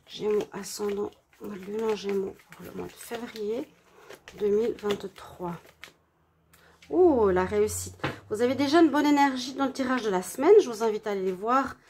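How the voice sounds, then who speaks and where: Woman, stuffy nose from a cold, gentle tarot reader, halting and hesitant, slight background hiss. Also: mid-range voice. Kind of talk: relaxed tarot reading for viewers.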